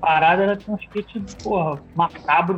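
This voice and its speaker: The man's intonation stays fairly even, with noticeable background noise present. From Rio de Janeiro, Brazil. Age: 40s. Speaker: skateboard graphic designer and skater. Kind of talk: casual interview chat.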